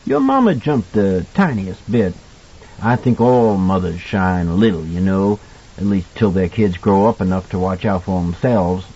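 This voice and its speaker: A man voicing a kindly older hotel cook in an audiobook, folksy and earnest as he gently cautions a child. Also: sits low, lively intonation, normal speed, slightly rough, dull audio, exaggerated voice. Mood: gentle, reassuring. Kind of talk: audiobook character dialogue.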